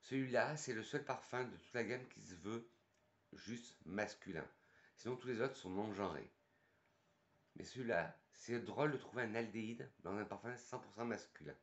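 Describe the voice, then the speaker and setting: A French perfume YouTuber and sales advisor reviews fragrances casually in a French accent, thinking aloud with fillers and restarts. His voice is fairly low at a normal speed, and the recording sounds muffled.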